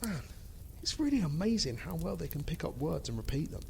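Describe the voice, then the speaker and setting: A man's voice: a little high, big pitch swings, brisk, vocal fry, warm tone, breathy edge, heavily acted. Man acting earnest fugitive with a crackly voice. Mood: amazed, earnest. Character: bewildered fugitive man hiding among Sasquatches. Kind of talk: amateur audio drama acting.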